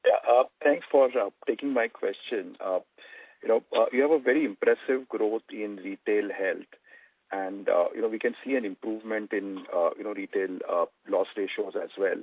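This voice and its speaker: Low-voiced halting Indian analyst on phone. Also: male voice, no room sound. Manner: halting, repeats words. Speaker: analyst asking a question. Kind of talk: earnings call question. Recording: dry narrow phone-line audio.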